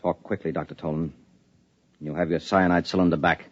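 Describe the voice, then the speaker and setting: An actor playing a hard-edged, secretive armed husband who interrogates forcefully in a 1950s radio drama. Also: male voice, low voice, level tone, brisk. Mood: threatening. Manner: forceful, clipped, threatening. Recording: dull, muffled old radio recording.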